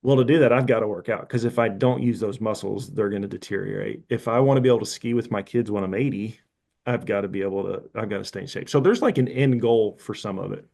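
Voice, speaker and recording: A man in his fifties with a somewhat low voice speaks as a podcast guest. He is candid and loose, circling his point with asides and self-corrections. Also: fast talker, vocal fry, darkish tone. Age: 50s. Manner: frank, rambling, candid. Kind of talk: casual interview talk.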